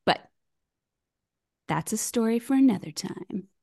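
An American woman in her forties, chatting casually as a podcast guest over a video call, self-deprecating and quick to laugh. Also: on the high side, expressive, vocal fry, warm tone. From United States. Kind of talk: casual remote interview chat.

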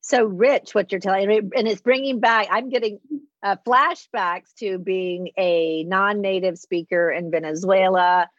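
A woman's voice: mid-range voice, unhurried, no echo. Woman, interviewer, from the US South, chatty, affirming, muffled dry recording. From Southern United States. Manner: chatty, affirming, frequent "right". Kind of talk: conversational interview.

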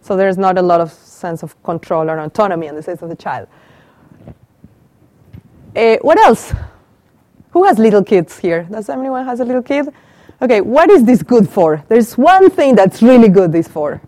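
This professor, a middle-aged woman from Argentina, speaks with an Argentine Spanish accent as she quizzes a small live audience in a small room and echoes back what they say. Her mid-range voice is animated and warm, moving at a moderate pace. The recording is dry, captured on a handheld mic.

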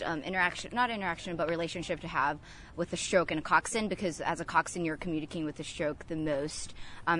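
A woman's voice: low-pitched, a bit bright, a little hiss or hum. A young woman who coxes a college rowing team, answering interview questions with lots of fillers. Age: young adult. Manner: lots of um fillers, chatty and upbeat.

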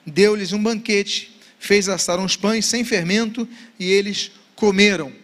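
High-voiced man teaching the Bible. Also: steady tone, takes it slowly, a bit bright. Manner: reads scripture aloud, asks rhetorical questions. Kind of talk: Bible study lecture.

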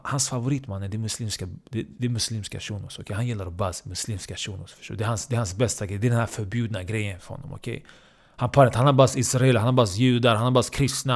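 Male storyteller, crude and animated, keeps checking the listener is with him; mid-range voice. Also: medium pitch. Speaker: comedian.

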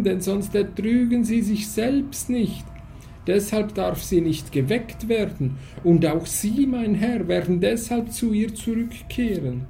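Cold, scolding official read by a man; gravelly, dark timbre, pitched a bit high. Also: full character voice. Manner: scolding, condescending, growling. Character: stern, cold male official of a drugged state.

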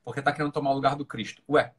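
A man with a Brazilian accent giving informal, opinionated advice in a blunt, emphatic way, repeating phrases and asking rhetorical questions, with a husky voice. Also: mid-range voice, steady tone, racing. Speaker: live-talk host giving relationship advice.

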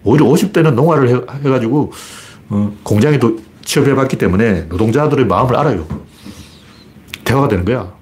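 A man delivers a solo commentary in a blunt, plain-spoken manner. His pitch moves in lively swings while he argues. There is a faint ambient hiss behind him. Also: quick pace. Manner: blunt, colloquial, argumentative with rhetorical questions. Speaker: political commentator.

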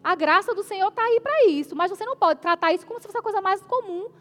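A woman preacher delivering an emphatic sermon, often asking the congregation "amen?" and reading scripture slowly and deliberately. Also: very high-pitched, animated, a bit bright.

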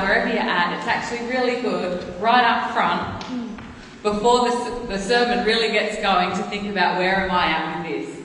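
A woman's voice: mid-range voice, fairly bright tone. A woman in her thirties giving an earnest, storytelling sermon in a church, often restarting her sentences. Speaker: preacher. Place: church hall. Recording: echoey church hall, faint noise.

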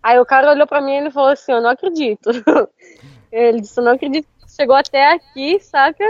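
A woman telling a story in casual chat, animated and often laughing. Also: high voice, fast talker, no room sound, dull audio. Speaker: interview guest.

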